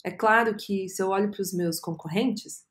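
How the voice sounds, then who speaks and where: A woman in her thirties with a Brazilian Portuguese accent, a podcast guest telling her career story earnestly and often filling pauses with "é". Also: medium pitch. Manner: earnest, storytelling, frequent "é" fillers. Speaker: guest, agency co-founder. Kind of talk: reflective podcast interview.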